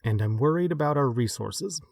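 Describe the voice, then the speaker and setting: An actor playing a modest, self-doubting leader, hesitant and thoughtful, in naturalistic audio drama dialogue. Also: male voice, mid-range voice, lively intonation, brisk, gravelly, a little mellow, no echo, studio quality. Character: modest, self-doubting man leading a small group.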